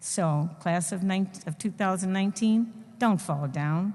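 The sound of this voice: Ordinary pitch variation runs through this unforced reading voice.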